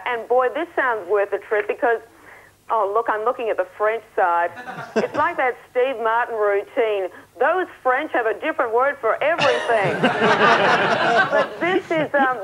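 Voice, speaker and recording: Wry Australian woman, lo-fi. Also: fairly high pitch. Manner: wry, self-mocking storytelling. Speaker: comic correspondent. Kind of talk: comic travel report. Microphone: earpiece link from a studio desk.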